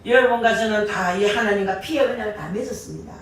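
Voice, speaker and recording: A woman preacher delivering an impassioned sermon, rising to shouts on key words, recorded from a distance in a church sanctuary. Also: mid-range voice, fast, a crowd in the background. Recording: echoey church hall, far from mic.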